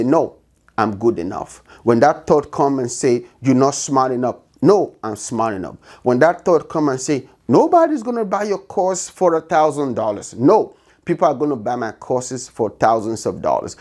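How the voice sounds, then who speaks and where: A man's voice: medium pitch, darkish tone. A man with a non-native English accent speaks in a middle-range voice, giving a motivational talk to business owners. He drives his points home with repetition and keeps asking "right?" as he goes, in a rhythm close to preaching. His delivery is emphatic and insistent. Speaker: business coach.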